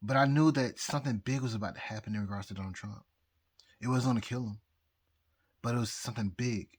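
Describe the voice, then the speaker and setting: Very drunk male vlogger, husky mid-pitched voice, halting, repetitive rambling monologue. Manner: halting, repetitive, losing his thread. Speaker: amateur astrologer vlogger. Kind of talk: rambling casual monologue to viewers.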